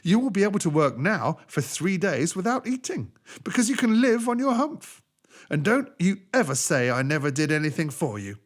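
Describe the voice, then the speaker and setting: Man playing a commanding, wily desert djinn, pitched up. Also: sing-song, moderate pace. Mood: triumphant scolding. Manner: emphatic, admonishing.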